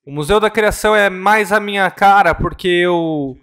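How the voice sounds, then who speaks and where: At a church conference, an interpreter renders a ministry talk earnestly and at a measured pace, occasionally stopping to fix a word halfway through. He has a high, slightly bright, clean-sounding voice.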